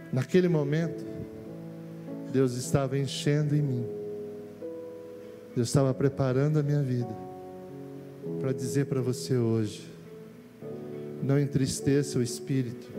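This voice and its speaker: A man with a Brazilian Portuguese accent preaching a sermon, telling stories and swinging between quiet low asides and high excited bursts. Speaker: pastor. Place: church. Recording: music behind the voice. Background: worship music playing.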